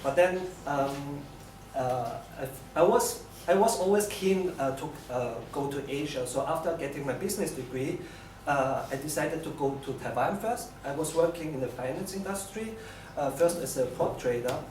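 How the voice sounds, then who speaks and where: A young man with an Austrian accent gives a live technical presentation in a halting, hesitant way. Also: fairly high pitch, a little mellow. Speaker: bootcamp graduate presenting a project. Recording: echoey room, distant mic, noisy.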